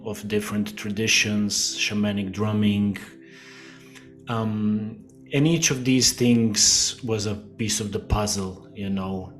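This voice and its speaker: Slow, hesitant low-voiced man. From Croatia. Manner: slow and hesitant, many fillers and restarts. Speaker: guest. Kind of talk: casual interview talk.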